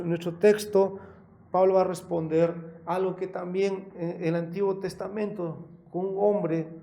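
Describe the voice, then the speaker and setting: A man preaching a sermon with a fairly high, gravelly voice that has a mellow, dark tone. He talks conversationally, corrects himself mid-sentence, tosses in rhetorical questions, and hits key words louder. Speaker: pastor.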